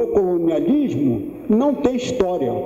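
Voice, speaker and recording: Over noticeable background noise and audible room echo, a man with an extremely high pitch speaks very slowly in very wide pitch swings. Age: 70s. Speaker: activist. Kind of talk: lecture. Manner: halting.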